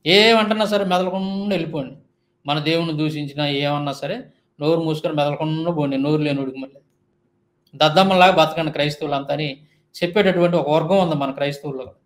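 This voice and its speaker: A man giving a heated monologue rebuttal, firing off indignant rhetorical questions. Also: a little high. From India. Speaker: Christian YouTube commentator.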